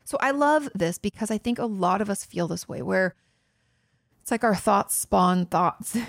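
A woman with a crackly edge to her voice, like the counselor host of an online advice show answering questions close up in a dry, quiet room. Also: medium pitch, creaky, no echo. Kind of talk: casual explanatory advice, reading questions aloud.

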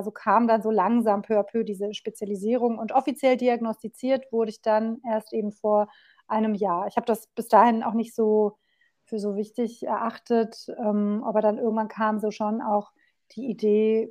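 A woman's voice: fairly high pitch, a little mellow. A woman in her forties from Berlin, a therapist talking as a podcast guest in a candid, chatty, colloquial way with plenty of fillers. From Berlin, Germany. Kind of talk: casual podcast interview.

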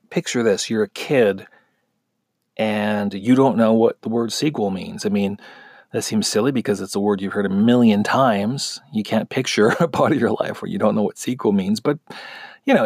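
A man with a fairly low voice talks through a film review in a loose, conversational way, often pausing on fillers and restarting his sentences. The recording is dry, with little room sound around him. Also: a little mellow, slightly rough, no echo. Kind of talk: casual spoken film review.

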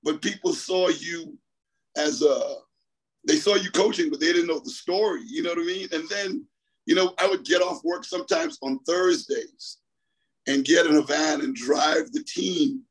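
This Bahamian track coach in middle age has a slightly high, breathy voice and a moderate pace. Interviewed by phone, he tells his story loosely, repeating himself with plenty of laughter. The recording is rough.

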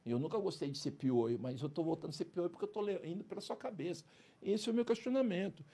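A man's voice: sits high, fast, creaky, warm tone, slightly rough. A man, a former criminal, telling his story in a casual interview, emphatic and streetwise, constantly checking in with his listener. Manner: emphatic, streetwise, keeps adding "entendeu?" and "cara". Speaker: interview guest, former criminal turned prison speaker.

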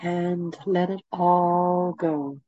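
A woman with a head cold and a nasal voice, leading a guided meditation with gentle, soothing instructions. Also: fairly low pitch, fairly even intonation, extremely slow, no echo, lo-fi sound.

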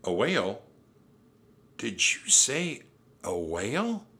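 Curious careful storybook boy male reader doing him, earnest short lines, lively up and down pitch. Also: a little slow, heavily acted. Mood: surprised, curious. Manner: curious questions, short replies.

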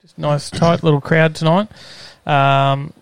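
A man's voice: on the high side, flat delivery, takes it slowly, gravelly, clear, resonant tone, no echo, low-quality recording. An Australian man hosting a live stream in casual, rambling chat, hesitating often as he goes. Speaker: host of a live-streamed show.

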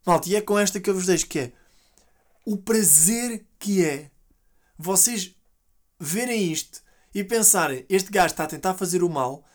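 A man's voice: high-pitched, moderate pace, long pauses. A man with a European Portuguese accent hosting a podcast, telling a story casually with lots of slang and acted-out quotes. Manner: animated, slangy, acts out quotes. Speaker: podcast host.

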